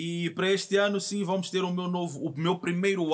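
A man at a fairly slow pace. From Mozambique. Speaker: rapper; guest. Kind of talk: interview. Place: studio.

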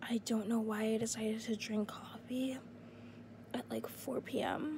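A woman talks at a fairly slow pace in a monotone, flat intonation, with noticeable background noise behind her. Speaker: high school senior vlogger. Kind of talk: casual vlog chat.

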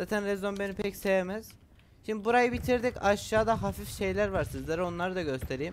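A fairly quick, high-pitched male voice with ordinary pitch variation over light background noise. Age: young. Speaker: gaming YouTuber. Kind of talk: gameplay commentary. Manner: animated. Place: home room.

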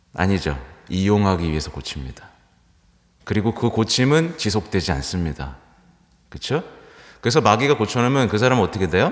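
A man's fairly low pitch with vocal fry, very wide pitch swings, a fairly quick pace and long, frequent pauses, on a very clean recording with a silent background. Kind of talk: homily. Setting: church. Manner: conversational, frequent rhetorical questions.

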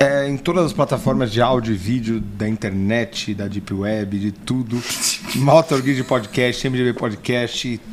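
Over light background noise, a man with a Brazilian accent speaks at a very slow pace. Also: ordinary pitch variation. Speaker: podcast host. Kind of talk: casual chat. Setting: studio. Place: studio. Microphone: studio mic.

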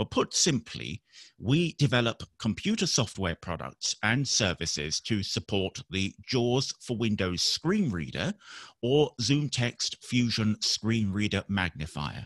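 With a British accent, a man of fairly low pitch talks at a fairly slow pace with very wide pitch swings, the sound dry and close with no echo over a quiet background. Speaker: assistive technology consultant. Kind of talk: software demonstration webinar. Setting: video call.

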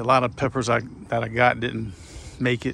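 Delivered at a fairly quick pace with vocal fry and fairly even intonation, the voice sounds dry with no echo over light background noise. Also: man. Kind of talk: casual vlog chat. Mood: relaxed, slightly disappointed. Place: garden.

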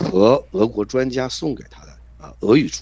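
A man speaks fairly slowly with vocal fry. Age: 60s. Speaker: writer and translator. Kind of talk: interview. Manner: halting.

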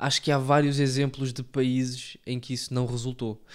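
A man speaks in a European Portuguese accent at a medium pitch. His intonation is fairly even, and the background is quiet. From Portugal. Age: 20s. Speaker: podcaster. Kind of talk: casual solo monologue; casual podcast monologue. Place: home room. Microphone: studio mic.

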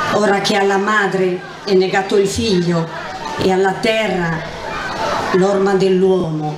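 Fairly slow speech from a woman, noticeable background noise around her. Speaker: poet reading her work. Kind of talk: event presentation. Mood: calm, measured, solemn. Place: stage. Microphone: handheld.

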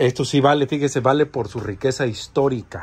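The man's somewhat breathy voice holds to a moderate pace. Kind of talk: casual vlog chat. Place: boat. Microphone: phone near.

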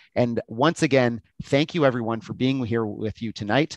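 The speech comes at a moderate pace with ordinary pitch variation, a dry sound with no echo, and a quiet background. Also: man. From Canada. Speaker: advocacy organization executive. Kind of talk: greeting speech. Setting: video call from hotel room. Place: home room. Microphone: video call.

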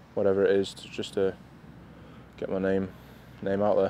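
A dark, mellow tone at a moderate pace, dry with no echo. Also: man. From Yorkshire, England; England. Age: young (under 20s player). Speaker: rugby player. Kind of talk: interview. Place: stadium.

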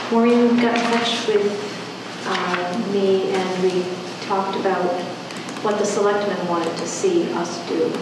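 Strong room echo and noticeable background noise surround a woman speaking with ordinary pitch variation. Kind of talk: informal presentation at a public meeting. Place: meeting room. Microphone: camera far.

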